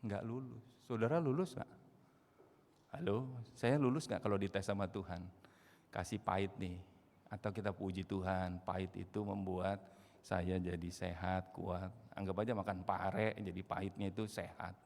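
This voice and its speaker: A male pastor preaching an animated sermon with a lilt, putting questions to the congregation and bursting into loud outbursts. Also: low-pitched, normal speed. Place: church. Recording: long church hall reverb.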